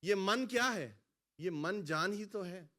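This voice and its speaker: A male pastor preaching a sermon in a church hall, calling out lines for the congregation to repeat and swinging between loud exclamations and quiet asides. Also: high-pitched, animated. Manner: preaching, has the congregation repeat phrases after him. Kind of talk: sermon with call-and-response.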